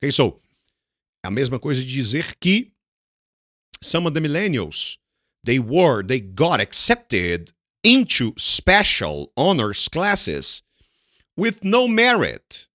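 A Brazilian man, a native Portuguese speaker with a Brazilian accent, teaches an English lesson at a very slow pace. His pitch swings widely as he repeats words and asks questions, then answers them himself. The recording is close and dry. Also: huge pitch swings, sharp tone, no echo.

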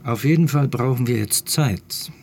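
An actor playing a talking script in an audio drama, a smug, bossy, all-knowing narrator with a booming low voice and a condescending, exasperated manner. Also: male voice, normal speed, a little mellow, a little hiss or hum, lightly acted. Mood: smug, commanding.

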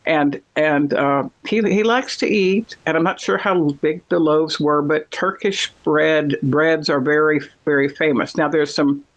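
Chatty guy, bit high-pitched, rambling casual storyteller. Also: fairly even intonation, a little slow, few pauses. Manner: rambling, chatty, many fillers. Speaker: conversation partner. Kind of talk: casual chat.

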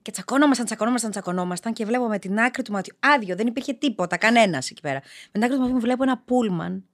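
A Greek actress chatting as a podcast guest, telling stories in a lively way and acting out what people said. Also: female voice, on the high side. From Greece. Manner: lively storyteller, acts out quotes. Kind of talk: casual podcast chat.

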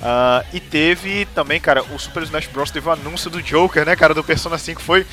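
Casual Brazilian male host, slangy and relaxed, a touch high, light music under. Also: a little fast. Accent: Brazilian Portuguese. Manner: laid-back, slangy, asks the others questions. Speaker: podcast host. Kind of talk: casual chat.

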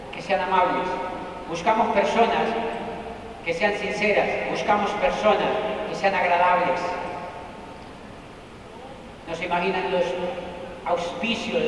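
A man giving an animated motivational talk about network marketing to an audience, repeating lines until he shouts them. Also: high-pitched, slight background noise. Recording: echoey hall from far off.

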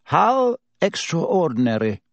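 A man portrays a wise old headmaster from a storybook. He speaks courteously and without hurry, in a lifted, varied voice with quiet amusement running through it. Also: sits high, very animated, very slow, no echo, voice pushed up, full character voice. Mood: amused.

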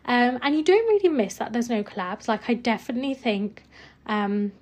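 A woman's voice: fairly high pitch, expressive, moderate pace, darkish tone. A young woman, reviewing music albums in a casual, chatty way, full of "um" and "like". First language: Punjabi not first language. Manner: chatty, many fillers like "um" and "like".

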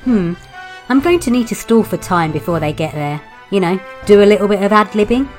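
Exasperated storyteller played by a woman, lively swooping delivery, comic asides, pantomime, light music behind. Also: mid-range voice, fairly quick, lightly acted. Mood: improvising. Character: exasperated pantomime narrator improvising to save the show.

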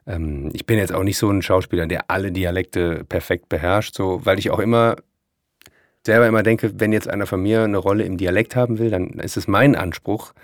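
Male podcast guest, deep voice, close dry sound, hesitant and unassuming conversational delivery. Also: creaky, no echo. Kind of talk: casual interview chat.

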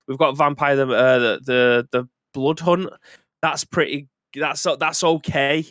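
A man's voice: medium pitch, level tone, unhurried, fairly bright tone, no echo, studio quality. A man co-hosting a video game podcast in casual chat, rambling and correcting himself as he thinks aloud. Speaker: podcast co-host.

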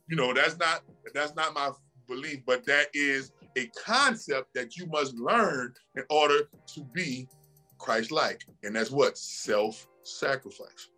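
Male podcast guest, husky tone, sermon-like motivational delivery, faint music under. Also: mid-range voice, sharp tone. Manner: preachy, emphatic, repeats phrases and asks "right?". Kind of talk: casual motivational talk.

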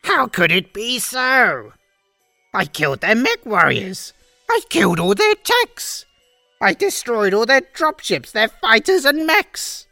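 A woman putting on a scheming male villain in a rhyming holiday storybook, sly and gleeful, his voice leaping wildly up and down in pitch at a slow, deliberate pace. He sounds dry and close, with faint music underneath. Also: big pitch swings, sharp tone, dry recording, full character voice. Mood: puzzled.

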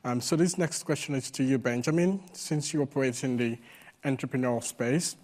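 A man moderating a panel, asking questions in a polite, measured way. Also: medium pitch, a little mellow.

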